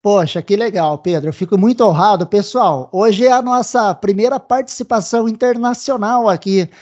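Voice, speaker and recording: A man's voice: sits high, normal speed, dull audio. A man hosting an interview show with a Brazilian accent, speaking to the audience in an upbeat, welcoming way. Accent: Brazilian Portuguese. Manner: warm, upbeat, addresses the audience directly. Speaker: podcast host.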